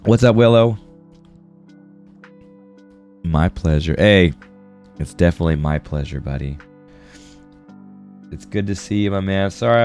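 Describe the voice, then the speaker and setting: A man with a low voice, stuffed up from a sore throat, chats casually on a livestream as he draws. He talks to viewers in a friendly, slangy way. Music plays behind him. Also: darkish tone. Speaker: art livestreamer. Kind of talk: casual livestream chat while drawing.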